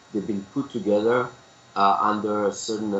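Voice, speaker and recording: The speaker has an Israeli accent and a monotone, flat intonation. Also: man. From Israel, Tel Aviv. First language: Hebrew. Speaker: capoeira and hand balancing instructor. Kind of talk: casual interview. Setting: video call.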